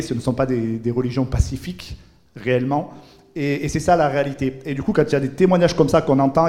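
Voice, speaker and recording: Earnest preacher with a mellow voice. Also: male voice, medium pitch. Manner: earnest, repetitive emphasis, many restarts. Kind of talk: sermon. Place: church.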